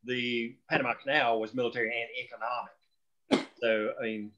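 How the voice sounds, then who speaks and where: A man chatting casually and informally in an animated way, on slightly lo-fi audio. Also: medium pitch, normal speed. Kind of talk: casual chat.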